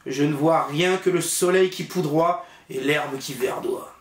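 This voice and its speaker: A man voicing a young sister keeping watch from a tower in a storybook, calmly reporting what she sees. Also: a little high, unhurried. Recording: roomy echo.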